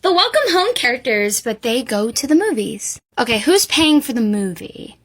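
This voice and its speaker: A woman with a slightly high voice doing casual reaction commentary. She is informal and exclamatory, and she swears freely. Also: big pitch swings, normal speed, a bit bright.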